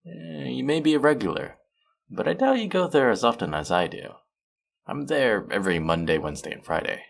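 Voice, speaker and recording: A man's voice: medium pitch, very animated, brisk, vocal fry. A man playing a friendly, teasing, slightly bashful young traveler in a casual, intimate one-sided audio roleplay. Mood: friendly, playful.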